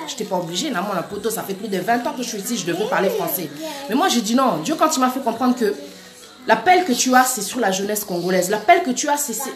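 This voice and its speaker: A woman giving an earnest, urgent preaching-style talk, speaking straight to her listeners as sisters and brothers. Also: on the high side. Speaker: Christian speaker. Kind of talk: exhortative preaching-style monologue. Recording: echoey room with faint music. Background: faint background music.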